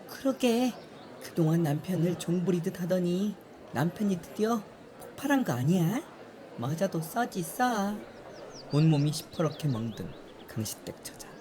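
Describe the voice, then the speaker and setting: A woman's voice: medium pitch, warm tone, pitched above the performer's own voice, natural voice. A woman voicing nosy, snide village women gossiping about a neighbour. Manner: gossipy, mocking.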